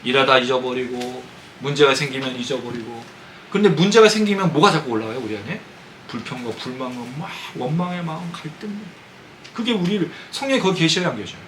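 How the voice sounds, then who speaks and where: Lively Korean pastor preaching. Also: male voice, a little high, fast, a little hiss or hum, low-quality recording. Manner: conversational preaching, asks the congregation questions. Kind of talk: sermon. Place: church sanctuary.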